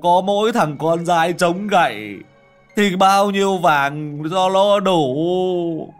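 A man's voice: mid-range voice, animated, measured pace, a little mellow, husky, faint music behind. A man doing a stammering terrified husband. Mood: wailing. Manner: stammering, wailing. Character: terrified older village husband, pleading.

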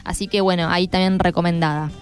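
A woman co-hosting a radio show with an Argentine Spanish accent, bantering quickly and agreeably. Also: fairly low pitch, steady tone, smooth, faint music behind. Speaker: radio co-host. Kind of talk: casual radio chat.

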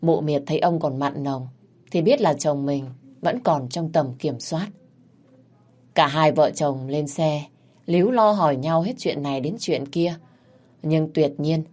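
A woman's voice: low voice, measured pace, mellow. A woman narrating a story in a vivid, colloquial, mocking style.

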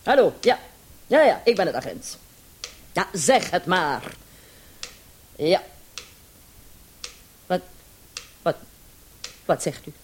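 An actress playing a brisk, skeptical police commissioner in a radio play, speaking with authority. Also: female voice, fairly low pitch, very animated. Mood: official. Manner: authoritative, interjecting. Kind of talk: Dutch-language radio play acting. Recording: faintly hissy old radio recording.

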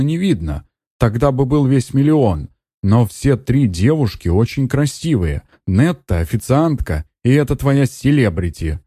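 A man's voice: medium pitch, warm tone, no room sound, clean studio sound, pitched above the performer's own voice, lightly acted. A man reading an audiobook, voicing a young nephew who teases his uncle in a mocking, needling way. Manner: sarcastic, needling.

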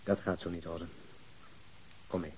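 An actor playing a quiet, protective man in a radio crime drama, with a husky voice and a gentle, restrained manner. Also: low-pitched, flat delivery, measured pace, low-quality recording. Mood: gently protective.

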